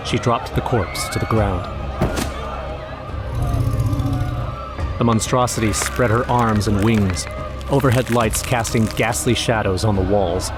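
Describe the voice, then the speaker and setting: Male narrator for horror audio drama, an actor in role: lowish voice, grim eyewitness account, dramatic, over music. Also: lightly acted. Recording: music under the voice.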